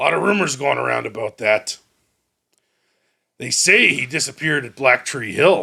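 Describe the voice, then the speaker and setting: Putting on a character voice, a man speaks loudly and raspily at a medium pitch and a moderate pace, with lively intonation. He leaves long, frequent pauses. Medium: actual play. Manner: loud, boastful, jovial.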